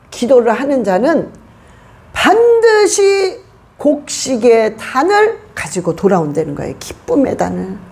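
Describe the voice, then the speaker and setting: A woman's voice: high voice, darkish tone. A woman pastor preaching a sermon to her congregation, emphatic and full of rhetorical questions. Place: church.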